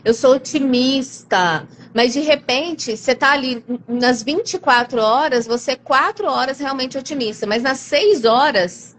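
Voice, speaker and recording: Animated Brazilian woman, higher voice. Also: normal speed, hardly any pauses. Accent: Brazilian Portuguese. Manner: animated, acts out quoted voices. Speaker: guest speaker. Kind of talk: live-stream conversation. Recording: faint background noise.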